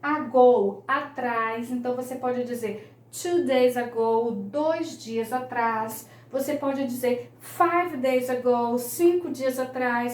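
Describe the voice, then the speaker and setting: A woman's voice: high voice, roomy sound. A woman, teaching English grammar in an online lesson, patiently repeating each key point.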